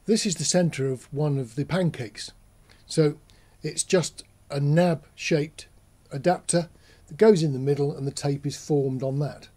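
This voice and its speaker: A man's voice: fairly high pitch, unhurried, hardly any pauses, dark tone. A man giving a casual explainer as a presenter, talking in a matter-of-fact, conversational way, step by step. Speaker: presenter of an audio gear channel.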